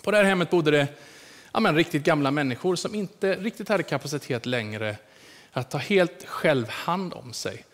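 Man, sermon, anecdotal and conversational, higher voice, long reverb. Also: animated. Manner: storytelling, warm anecdotes, many fillers. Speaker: preacher. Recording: long echoey hall reverb.

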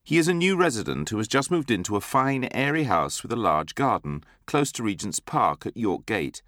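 A man reading an audiobook as measured, scripted narration. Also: fairly low pitch, big pitch swings, fairly bright tone, no room sound, studio quality.

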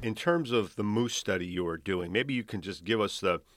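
A man's voice: lowish voice, moderate pace. A man hosting a podcast, asking questions in a conversational, loosely phrased way. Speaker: podcast host, interviewer.

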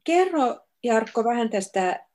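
A woman interviewing an author, asking questions in a relaxed, informal way. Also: fairly high pitch. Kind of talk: conversational interview.

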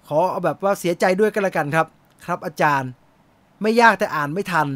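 A man's voice: high voice, a little fast, fairly bright tone, no echo. A man hosting a live movie quiz stream, announcing winners and teasing viewers in casual chat. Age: adult. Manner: playful, teasing, joking asides with laughter.

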